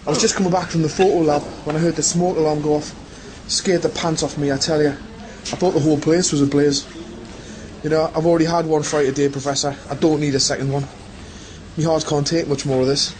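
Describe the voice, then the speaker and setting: An actor playing an excitable, folksy, easily rattled male colleague with blustery exclamations in an audio drama. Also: on the high side, a little fast, slight background noise, lightly acted, poor audio.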